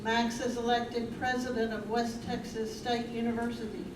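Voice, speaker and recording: A woman playing a measured storytelling narrator in a staged reading of a play. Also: on the high side, little pitch movement, far from the mic, lightly acted. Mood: narrating. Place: live staged reading in a room. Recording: very noisy, echoey room from afar.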